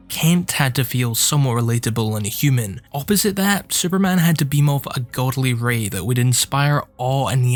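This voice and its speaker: Male video essay narrator, medium pitch, scripted read, light music bed underneath.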